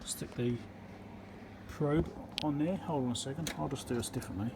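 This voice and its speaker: A man giving a hands-on electronics repair demonstration, thinking aloud in an informal, halting, step-by-step way. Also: a little high, gravelly. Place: indoor repair workbench. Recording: steady background hum and room noise.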